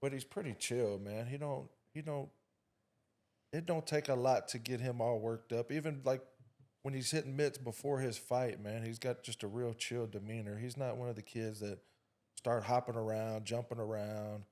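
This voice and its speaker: A man's voice: medium pitch, steady tone, moderate pace, a little mellow. Laid-back man in a casual interview. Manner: laid-back, talks in loose runs with "you know" and "man". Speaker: father of a young boxer, guest.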